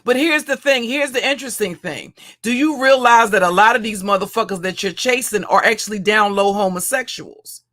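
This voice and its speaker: Woman streamer, deep heavy voice, taunting and crude, loops back over her own lines. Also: a little fast, few pauses, a bit bright. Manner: mocking, insulting, repeats and restarts phrases. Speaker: livestream commentator. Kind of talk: profane roast rant.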